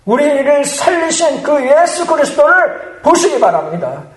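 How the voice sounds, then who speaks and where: A man's voice: very high-pitched, very animated, a little slow. A male pastor preaching a sermon in an earnest, emphatic manner in a church. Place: church sanctuary. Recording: echoey church hall.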